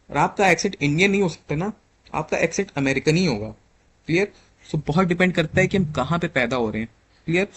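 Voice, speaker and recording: Young male tutor, slightly raised pitch, slow read-out definitions then quick casual explanations. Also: fairly bright tone. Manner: reads English definitions slowly, then explains casually with checks like "clear?". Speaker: exam tutor. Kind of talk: lecture mixing Hindi and English.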